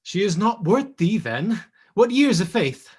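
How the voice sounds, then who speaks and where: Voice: medium pitch, very animated, a little slow, darkish tone, slightly rough. An actor playing a lovesick, moody nobleman in a Shakespeare stage scene, speaking heightened verse over a video call from home. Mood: intent, opinionated. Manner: heightened verse delivery with audible gasps. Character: lovesick nobleman, ardent, moody, musing on love. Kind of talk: classical Shakespearean stage acting.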